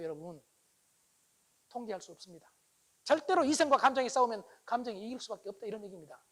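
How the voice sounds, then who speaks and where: Fast-talking animated man lecturing. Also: high-pitched. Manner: animated, teasing, acts out dialogue. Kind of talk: humorous lecture to a live audience.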